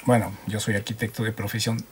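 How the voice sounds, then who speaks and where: A man from Ecuador with a Quito accent, a guest telling his story in a relaxed, playful way. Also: on the low side, a little fast, crowd noise. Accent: Quito Spanish. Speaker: interview guest, driving instructor. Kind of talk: casual radio interview.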